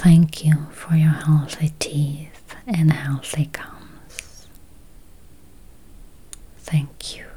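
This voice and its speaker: Very slow, whispery woman guiding meditation. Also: low voice, level tone, dark tone. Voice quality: breathy, whispery. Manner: slow, soothing, long pauses. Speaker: guided meditation host. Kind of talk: guided meditation, slow affirmations.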